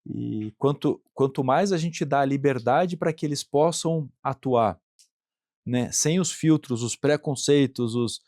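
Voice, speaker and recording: A man's voice: mid-range voice, unhurried, a little mellow, no echo. Earnest Brazilian man, dry close sound. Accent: Brazilian Portuguese. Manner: earnest, frequent "né" tag questions, repeats words. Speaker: industrial plant manager, guest. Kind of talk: conversational interview answers.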